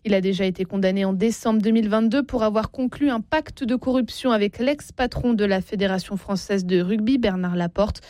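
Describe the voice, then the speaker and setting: A woman newsreader delivering a radio news bulletin in a steady, measured way from a studio. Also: medium pitch, no room sound.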